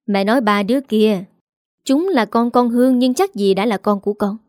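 Harsh scolding old mother-in-law, contemptuous, read by a woman storyteller; mellow voice. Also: fairly high pitch, normal speed, dry recording, clean studio sound, natural voice. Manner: cutting and contemptuous.

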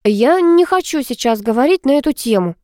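Sharp, sulky young student girl, read by a woman, dry close read. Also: fairly high pitch, lively intonation, moderate pace, no echo, voice pushed up. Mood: curt. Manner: sharp, curt.

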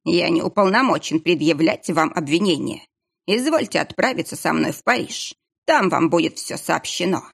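A woman's voice: fairly low pitch, animated, creaky, husky, exaggerated voice. A woman voicing a formal, stern royal commissar making an arrest. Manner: formal, measured.

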